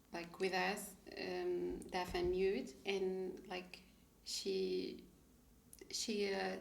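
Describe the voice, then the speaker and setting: There is audible echo from the room. A woman speaks very slowly, pausing long and often. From Tunisia. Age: 20s. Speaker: volunteer. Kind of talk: podcast conversation. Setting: studio.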